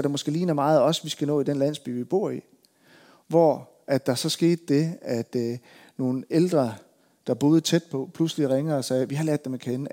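A man, a pastor preaching a sermon, building emphatic repeated lines and then telling a story in a relaxed way. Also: a little high.

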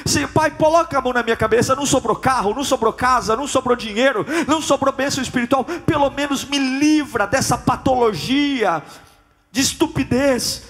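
A man's voice: very high voice, brisk. A preacher acting out an ashamed biblical man who cries out and pleads with his father. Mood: pleading. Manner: pleading, shouted confession.

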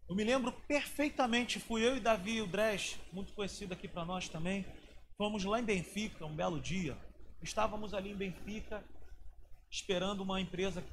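A man's voice: high voice, background noise. A man preaching a sermon, telling stories and acting out the dialogue in them. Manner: animated, acts out quoted dialogue. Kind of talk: sermon with personal storytelling.

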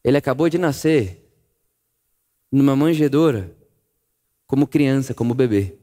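A man preaching a sermon, telling the story vividly and swinging from loud emphasis to a hush. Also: medium pitch, unhurried. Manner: animated storytelling, acting out voices, swings between loud and hushed.

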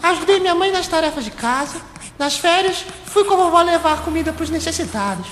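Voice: extremely high pitch, expressive, fairly quick, a bit bright, echoey room, a little hiss or hum. A woman voicing an earnest, polite little Brazilian boy with a childlike manner in a comedic amateur radio play.

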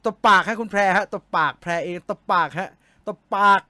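A man's voice: sits high, moderate pace, bright, forceful tone, no echo. A man hosting a casual live stream, reading out viewer comments and answering them in a chatty, joking way.

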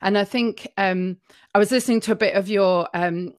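A woman's voice: mid-range voice, steady tone, normal speed. A woman hosting a podcast interview, encouraging and affirming her guest with frequent yeahs. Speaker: podcast host. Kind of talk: casual interview chat.

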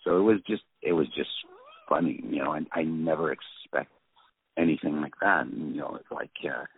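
A man with a French accent, a film director, telling anecdotes in an interview with many halting restarts and fillers. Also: extremely low pitch, gravelly, husky, no room sound. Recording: tinny phone-line audio.

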